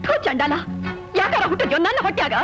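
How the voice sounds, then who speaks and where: A woman's voice: very high-pitched, sing-song, fast talker. An actress playing a fierce village mother, who talks sharply and scolds. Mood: scolding. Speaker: mother of the family. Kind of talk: film drama acting. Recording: film soundtrack with music behind.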